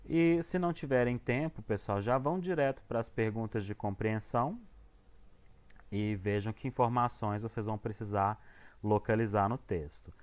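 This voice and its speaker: Low-voiced Brazilian male teacher, hesitant. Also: normal speed, darkish tone. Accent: Brazilian Portuguese. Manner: casual, hesitant, with many fillers and restarts. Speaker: English teacher. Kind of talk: explaining schoolwork to students.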